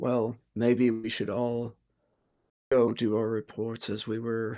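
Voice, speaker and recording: Putting on a character voice, a man speaks at a medium pitch. His intonation is monotone and flat, and his pace is fairly slow. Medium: actual play. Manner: clipped, dry, formal.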